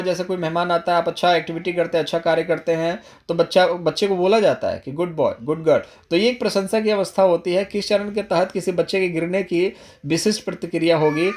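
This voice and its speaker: A man's voice: sits high, darkish tone. A man teaching an exam-prep lesson, explaining step by step and speaking directly to viewers, often restating points. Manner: repeats and rephrases, addresses viewers directly. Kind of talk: explanatory lecture.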